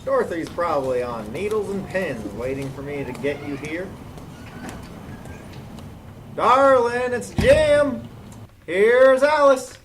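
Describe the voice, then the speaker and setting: A man's voice: sits high, very animated, slow pace, pauses often, exaggerated voice. A man playing a nervous husband in an amateur radio-style mystery play. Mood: cheerful, then excited. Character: nervous husband shocked by his wife's murder. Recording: distant mic with faint background noise.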